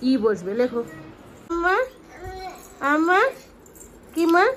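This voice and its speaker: A young woman with a West Bengal Bengali accent, vlogging at home, coaxing her small children in a sing-song voice and chatting calmly to viewers. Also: high-pitched, slow. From West Bengal, India. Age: 20s. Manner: calm chatty asides to viewers. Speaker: vlogger and mother. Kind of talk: casual home vlog. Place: apartment at home.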